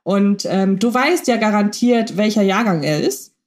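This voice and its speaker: A woman's voice: mid-range voice, expressive, a little slow. A woman co-hosting a podcast about radio plays, chatting casually with many fillers and restarts. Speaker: podcast co-host.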